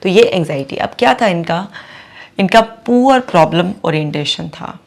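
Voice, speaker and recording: Low, gravelly-voiced woman psychologist. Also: a little mellow. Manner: explains with quoted inner thoughts and repetition. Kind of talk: explaining a case in a video lesson.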